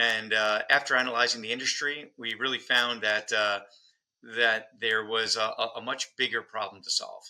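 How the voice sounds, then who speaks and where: A man with a bright, sharp tone speaks at a medium pitch and moderate pace in a monotone, flat intonation. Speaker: business executive and auctioneer. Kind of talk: interview. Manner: hesitant, many fillers.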